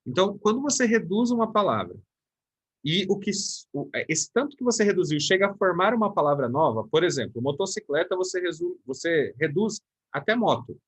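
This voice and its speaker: A man teaching grammar in a relaxed, chatty way. His voice is slightly high and a little husky. He keeps calling out to the class and answering his own questions. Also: a little fast. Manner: chatty, addresses students as "galera", asks and answers own questions. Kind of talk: recorded grammar lesson.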